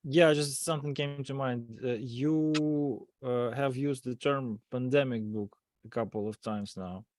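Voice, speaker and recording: A man with a mid-pitched voice chats casually as a podcast co-host. His phrasing is hesitant and halting, and the sound is very dry. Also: steady tone, a little mellow, no echo.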